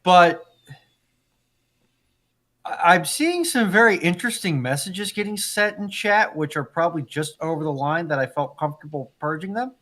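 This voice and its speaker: A man's voice: fairly high pitch, expressive, moderate pace, a bit bright. A man moderating a casual live discussion, speaking hesitantly and often restarting his sentences. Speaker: live stream moderator and panelist.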